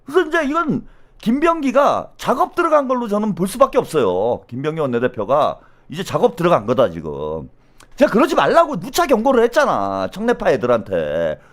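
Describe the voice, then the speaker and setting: A man hosting solo political commentary, animated and blunt, with slangy speech and constant "어?" tag questions. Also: sits high, brisk.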